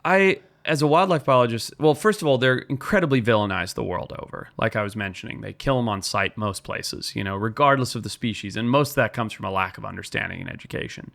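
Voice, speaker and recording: A man's voice: fairly low pitch, fast, gravelly, hardly any pauses, a bit bright. A man from Zimbabwe, a wildlife biologist guest, explaining and telling stories in an earnest podcast talk.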